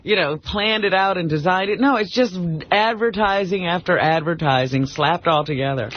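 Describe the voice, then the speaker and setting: A man's voice: sits high, normal speed, a little hiss or hum. A man co-hosting a radio show with wry, casual reactions and banter. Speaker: radio co-host. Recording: dull lo-fi radio recording.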